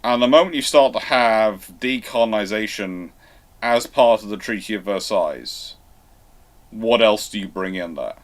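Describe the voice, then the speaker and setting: Halting, discursive man in live history discussion. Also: on the low side, animated. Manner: halting, discursive, repeats and reworks sentences. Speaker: host of a live history Q&A show.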